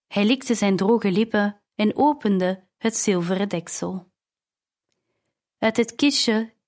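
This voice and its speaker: A woman narrating a novel in the first person as an audiobook, measured and expressive. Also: mid-range voice.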